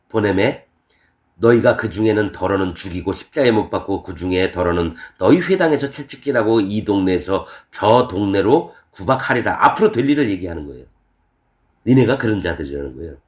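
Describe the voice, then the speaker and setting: Animated male pastor preaching in an echoey church. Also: on the low side. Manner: animated, acts out scripture voices with laughs and shouts. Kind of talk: sermon.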